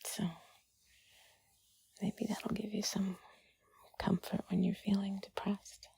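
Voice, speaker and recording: A woman giving intimate whispered comfort talk, soothing and gently reassuring, in a breathy, husky whisper with drawn-out pauses. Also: medium pitch, little pitch movement. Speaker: audio creator speaking to the listener.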